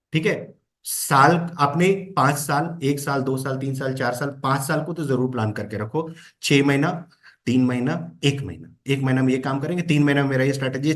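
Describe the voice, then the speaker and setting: Coaching man with a higher voice. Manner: coaching, with frequent "है ना?" check-ins; mixes English phrases into Hindi. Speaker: trainer. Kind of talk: motivational talk to an audience.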